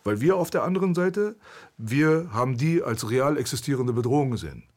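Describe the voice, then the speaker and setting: A man's voice: mid-range voice, lively intonation, fairly quick, a little mellow. A man from Berlin, a guest in a candid conversation, telling his story in a blunt, intense way. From Berlin, Germany.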